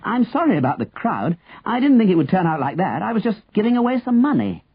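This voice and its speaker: A man's voice: sits high, big pitch swings, quick pace, slightly rough, dry recording, phone-quality sound, voice pushed up, exaggerated voice. A man voicing an exuberant, generous young man with an eager, cheery manner in an audiobook story. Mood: apologetic.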